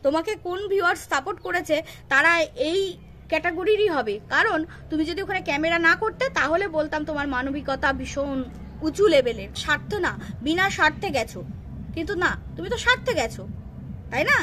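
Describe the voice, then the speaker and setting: A woman's voice: sits high, expressive, fairly quick, sharp tone, slight background noise. A woman giving unscripted roast commentary, confrontational and scolding, repeating herself and firing rhetorical questions. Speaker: YouTube commentary creator.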